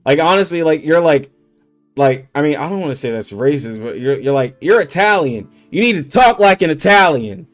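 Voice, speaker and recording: Animated slangy gaming streamer man. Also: a little high, normal speed, faint music behind. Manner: animated, slangy, laughing often, many "like" fillers. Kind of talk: casual livestream chat.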